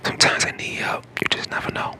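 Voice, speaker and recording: A man in his twenties from St. Louis, hoarse and getting over a lost voice, chatting casually to his live stream in a whisper that cracks in and out. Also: fast talker. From St. Louis, Missouri, USA. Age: 20s. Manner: whispering throughout.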